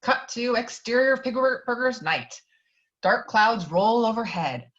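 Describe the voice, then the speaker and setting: Over dull, lo-fi online call audio, a woman reads screenplay stage directions at an informal table read, occasionally stumbling and correcting herself. Her voice sits on the high side with lively intonation and an unhurried pace.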